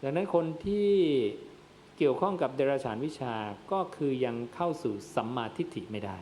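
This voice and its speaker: A man's voice: medium pitch, sing-song, normal speed, darkish tone, slight background noise. A man, a Buddhist monk, giving a dharma sermon to lay listeners and posing questions that he answers himself. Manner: addresses listeners as "yom", asks and answers his own questions.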